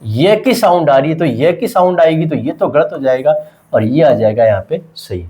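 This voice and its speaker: A man's voice: on the high side, expressive, normal speed, dark tone. Man teaching, answering his own questions. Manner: asks rhetorical questions and answers them; voices students' questions himself. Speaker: English teacher. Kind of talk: classroom lesson.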